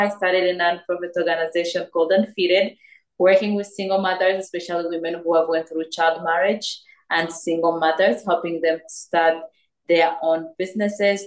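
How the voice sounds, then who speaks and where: A young woman from Congo, raised in Uganda, answering interview questions earnestly with many pauses and fillers. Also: fairly low pitch. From Democratic Republic of Congo, raised in Uganda. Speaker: guest, nonprofit founder. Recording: roomy echo.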